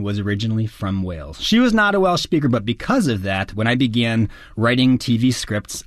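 A man from Wisconsin, an actor, speaking as a radio interview guest in a measured, upbeat way. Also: fairly low pitch, no echo, studio quality. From Wisconsin, United States.

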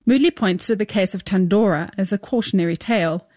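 A woman's voice: mid-range voice, brisk, a little mellow, no room sound, studio quality. Woman reporting for radio news.

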